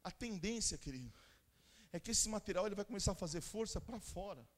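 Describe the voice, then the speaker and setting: A man with a Brazilian Portuguese accent preaching a Pentecostal sermon at a church conference, moving between chatty asides and shouted exhortation. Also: high voice, expressive, fairly quick. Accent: Brazilian Portuguese, São Paulo interior. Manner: swings from conversational asides to shouted, fervent exhortation; speaks in tongues amid the preaching.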